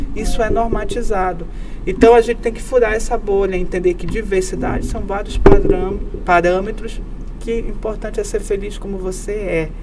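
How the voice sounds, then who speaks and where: Moderately paced male speech amid audible room echo and noticeable background noise. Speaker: guest speaker on diversity. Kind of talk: interview. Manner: lecturing, explanatory.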